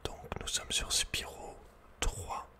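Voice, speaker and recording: A man whispering breathily as an ASMR host playing a video game, chatting informally with playful asides. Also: takes it slowly.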